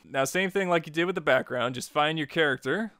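A man narrating a software tutorial in a chatty, informal way, guiding step by step. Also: on the high side, brisk, no room sound, clean studio sound. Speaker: tutorial host.

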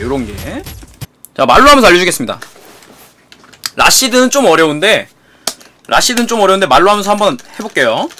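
A young man streaming a fighting game, explaining tactics in an excitable way, repeating himself and cursing at the screen. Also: high voice. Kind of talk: fighting game tutorial commentary. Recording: music playing behind.

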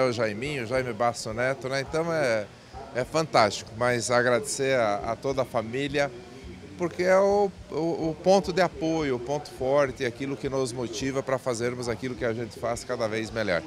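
Older guy, bank president at a fair stand, slow careful talk, handheld mic. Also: mid-range voice. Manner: measured, repeats and restarts phrases. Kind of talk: event interview. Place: indoor event stand with backdrop.

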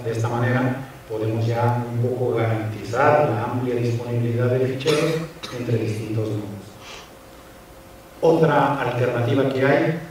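A man's voice: medium pitch, darkish tone, a little hiss or hum. Man speaking in an echoey hall. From Spain. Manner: measured explanatory delivery with frequent hesitant repeats. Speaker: conference speaker. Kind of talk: technical conference talk. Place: large cinema hall on stage. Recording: echoey hall recording from far off.

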